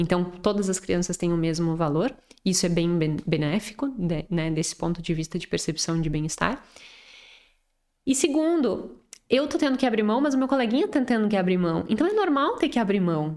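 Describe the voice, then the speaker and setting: Her medium-pitched voice makes very wide pitch swings as the woman speaks. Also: moderate pace. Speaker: podcast host, behavioral finance educator. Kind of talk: educational podcast monologue.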